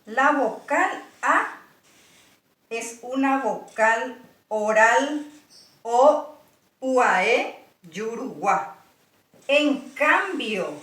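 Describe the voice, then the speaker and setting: A woman with a Paraguayan Spanish accent, giving a slow, patient language lesson and spelling out sounds one by one. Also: fairly high pitch, pushed and bright, roomy sound, far from the mic. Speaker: language teacher.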